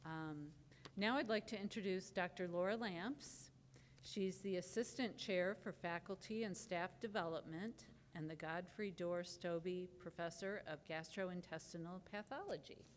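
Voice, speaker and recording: A woman's voice: lowish voice, measured pace. A woman formally introducing a speaker by reading out titles. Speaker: event organizer. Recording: distant in reverberant hall, faint noise.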